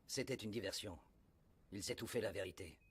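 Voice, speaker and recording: A man's voice: fairly low pitch, a little fast, a little hiss or hum, natural voice. An actor playing a serious male investigator who insists something was covered up. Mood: grave. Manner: grave, insistent. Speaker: interviewee, former investigator.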